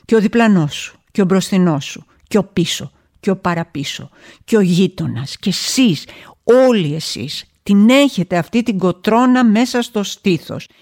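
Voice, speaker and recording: A woman hosting her own podcast, delivering a theatrical, emotive monologue that swings between exclamations and hushed asides. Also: mid-range voice, lively intonation. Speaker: podcast host.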